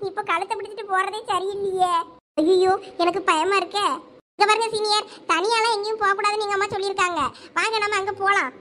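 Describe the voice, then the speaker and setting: A woman with a very high, slightly bright voice, recorded with slight background noise, does cartoon voice acting. She plays a nosy, teasing young village woman with a Thoothukudi Tamil accent, talking fast.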